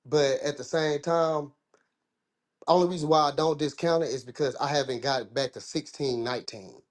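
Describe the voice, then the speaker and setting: A man's voice: a little high, moderate pace. A man from the American South with a Southern accent, talking in a casual discussion, rambling and restarting his sentences in informal speech.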